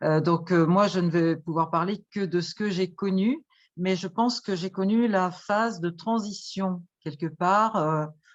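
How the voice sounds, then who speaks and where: A woman speaks at a medium pitch and a very slow pace. Her intonation stays fairly even. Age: 60s. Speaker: guest in discussion. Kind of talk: casual discussion.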